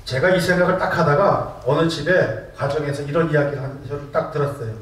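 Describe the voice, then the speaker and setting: A male pastor with a high voice preaches a sermon, tossing rhetorical questions to his congregation and telling stories animatedly. He is heard from a distance, his words ringing around a big, echoey church sanctuary. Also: fast talker, a bit bright.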